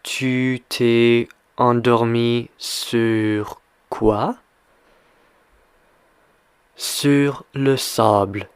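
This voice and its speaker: Male language teacher, extremely slow and deliberate, smooth resonant voice, dry close sound, drills questions. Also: medium pitch, flat delivery, no echo. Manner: deliberate, repeats and quizzes the listener. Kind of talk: slow question-and-answer reading lesson.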